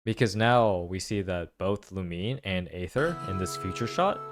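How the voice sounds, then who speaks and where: A man giving casual reaction commentary, thinking aloud in halting phrases. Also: sits low, loud music behind the voice. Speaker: video commentator.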